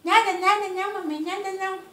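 A woman voicing a cheeky, playful little boy with a Brazilian accent, in a high, sing-song, teasing voice. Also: fairly even intonation, quick pace, pushed and bright. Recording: roomy, from farther off.

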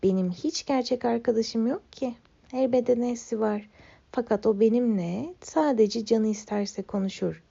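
Gentle gravelly-voiced woman storyteller. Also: fairly high pitch, a little slow, highs cut off. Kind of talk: children's story narration in first person.

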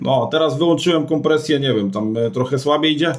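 A man's voice: medium pitch, a little fast. A man talking casually and matter-of-factly as a CB radio operator. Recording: roomy sound with clear noise and clicks.

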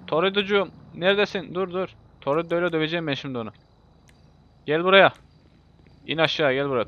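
A man commentating a racing game in a casual, excitable way, swearing and yelling when he crashes. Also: fairly high pitch. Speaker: gameplay video host. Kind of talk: live gameplay commentary. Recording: muffled lo-fi mic with faint hiss.

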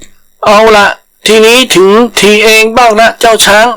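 Man putting on a cocky high-pitched tiger. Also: flat delivery, unhurried, sharp tone, clear, resonant tone, full character voice, rough recording. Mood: gloating. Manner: taunting, bossy. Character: cocky, taunting, boastful male tiger. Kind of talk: animal folktale storytelling.

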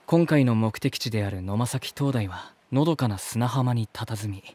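Polite earnest narrator dude, bit husky, reflective audio drama storytelling. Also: male voice, mid-range voice, lively intonation, normal speed, a little mellow. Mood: reflective narration. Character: earnest, polite man recounting his journey.

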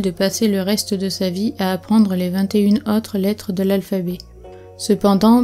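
A woman with a medium-pitched voice narrates an audiobook, reading in a steady, measured way while faint music plays in the background.

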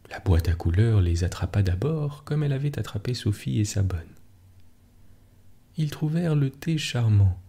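Slow, husky man reading a bedtime story. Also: fairly low pitch. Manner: soft, hushed, soothing. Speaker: podcast storyteller.

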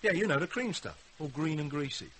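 An actor playing an amiable, easygoing man helping a troubled household, casual and gently teasing, in a naturalistic radio drama. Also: fairly high pitch, expressive, a little fast. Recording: hissy radio drama recording.

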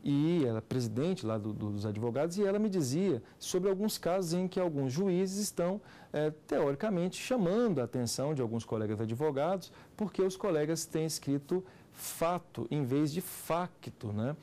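A man's voice: a little high, animated, moderate pace, dark tone. A middle-aged Brazilian man with a Brazilian Portuguese accent, a law professor giving a televised lecture and explaining with rhetorical questions.

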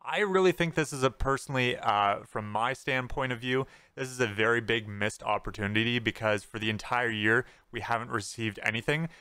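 A young man, slightly hoarse, talking casually and earnestly about gaming news as a channel host, repeating words for emphasis. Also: medium pitch, a little fast, hardly any pauses, pushed and bright, no room sound. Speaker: gaming YouTuber. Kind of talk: casual commentary on game news.

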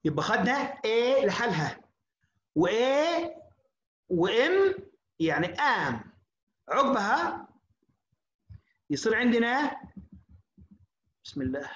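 A woman teacher leads an English lesson, stretching out sounds and repeating them again and again. Her voice sits a little high. The recording is muffled and lo-fi, with a roomy echo around her. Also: sing-song. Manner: drawn-out, repetitive drilling of sounds. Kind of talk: online lecture for beginners.

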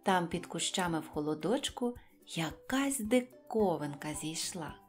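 A woman storyteller narrating a rhymed children's tale in an expressive style. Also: lowish voice. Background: faint music.

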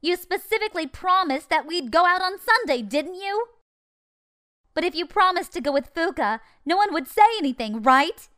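A woman's voice: very high-pitched, expressive, normal speed, a bit bright, no echo, studio quality. A woman voicing a jealous, scolding teenage schoolgirl in an anime fan dub. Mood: suspicious, pointed. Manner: accusing, scolding. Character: angry jealous teenage schoolgirl confronting a two-timer.

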